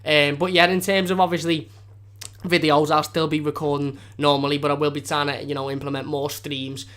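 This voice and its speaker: A man's voice: a little high, flat delivery, brisk, fairly bright tone. A young man with a strong Scouse accent, hosting a fan channel live stream in casual, rambling chat with frequent restarts. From Liverpool area of England.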